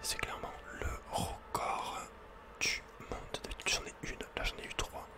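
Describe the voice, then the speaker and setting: An ASMR gaming host with a French accent whispers breathy, unvoiced video game commentary at a normal speed. He speaks informally and intimately, as if directly to the listener.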